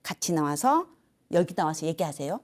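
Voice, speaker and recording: A woman giving a lively motivational lecture to seniors, telling a personal story and acting out the dialogue with big swings in volume. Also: sits low, moderate pace. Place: lecture hall.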